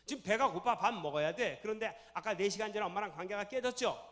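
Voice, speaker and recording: A man preaching a sermon in a church, animated, firing questions at the congregation and acting out scenes. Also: high voice, fast talker. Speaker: pastor.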